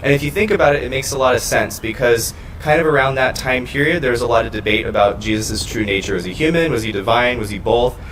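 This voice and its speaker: A man in his twenties, a Catholic panelist explaining his view in a methodical, measured way. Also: mid-range voice, a bit bright, far from the mic, a little hiss or hum, poor audio. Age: 20s. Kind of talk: panel discussion.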